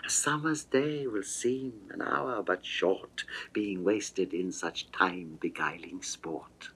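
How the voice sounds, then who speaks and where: A man's voice: low-pitched, takes it slowly, a bit bright, slightly rough, heavily acted, low-quality recording. A man voicing an amorous, coaxing goddess in a theatrical, lingering 1960s dramatic reading of verse. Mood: coaxing, seductive. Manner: theatrical, lingering, ornate delivery.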